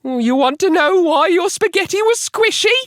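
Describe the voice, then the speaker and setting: A man voicing a spiteful, gleeful old wife in a children's audiobook, in a shrill, exaggerated voice. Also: animated, moderate pace, a bit bright, dry recording, studio quality. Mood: gloating.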